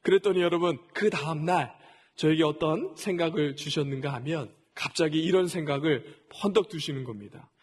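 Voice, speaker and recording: High-voiced earnest male pastor. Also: moderate pace, breathy edge. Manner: earnest, storytelling, often addresses the congregation. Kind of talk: sermon.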